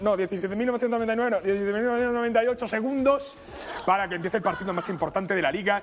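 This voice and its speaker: Faint music plays in the background as a man with a high pitch talks at a fairly slow pace. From Spain. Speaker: TV show football expert; TV show host. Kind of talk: comedic TV banter. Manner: animated. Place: studio.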